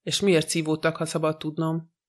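A stern, sharp-spoken judge from a storybook, read by a male narrator. He questions in a level, flat tone. The voice is slightly high. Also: close to an everyday voice.

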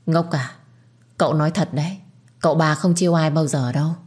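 A woman doing a kindly older nanny who speaks gently and reassuringly. Her voice is low and husky. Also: fairly quick. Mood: gentle.

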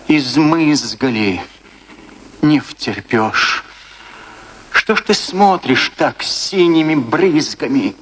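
An actor playing a tormented, volatile young poet in a radio drama, declaiming verse with bitter and tender anguish. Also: male voice, a little high, fairly bright tone, a little hiss or hum, heavily acted. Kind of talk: theatrical poetry recitation in radio drama.

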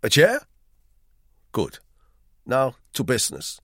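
A man voicing a grave, formal hotel manager who speaks in a measured way. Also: medium pitch, wildly swooping pitch, fairly bright tone, no room sound, studio quality, voice pushed up, full character voice.

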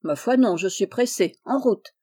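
A woman reading aloud and voicing a brusque, hearty middle-aged farmer, gruff and booming at times. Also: expressive, normal speed, dark tone.

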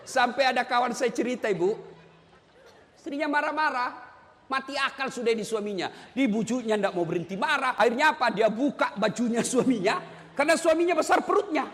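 A man preaching a humorous sermon to women, animated, joking and acting out wives' voices. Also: extremely high pitch, brisk. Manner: animated, mimics wives, jokes. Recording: reverberant hall sound.

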